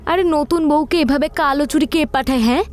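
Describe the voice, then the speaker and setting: একজন মহিলা অডিও ভূতের গল্পে কনের সন্দেহপ্রবণ জেঠিমার ভূমিকায় সোজাসাপটা, শাসনের সুরে কথা বলছেন।. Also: female voice, sits high, fast, soft background music, close to an everyday voice. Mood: indignant. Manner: blunt, scolding, bossy. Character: outspoken, suspicious elder aunt of a village bride. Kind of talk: audio horror story dialogue.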